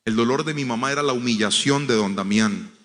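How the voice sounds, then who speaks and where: A man preaching a sermon. He tells a story, dropping to a hush and then rising to loud, emphatic declarations. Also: mid-range voice, fairly quick, long reverb tail. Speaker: pastor.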